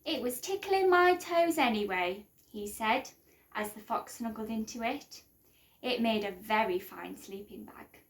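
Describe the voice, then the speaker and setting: A woman with a high voice reads a children's storybook aloud. She goes slowly and deliberately, like a storyteller. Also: animated. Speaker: school staff member reading a picture book.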